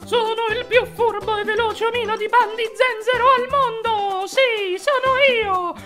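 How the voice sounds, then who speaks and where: Cartoon lead: a tiny, smug gingerbread runaway, shrill and teasing over a music bed. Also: female voice, steady tone, unhurried. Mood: taunting. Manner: sing-song bragging taunts. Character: cheeky boastful gingerbread man, small and quick. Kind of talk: animated cartoon voice acting.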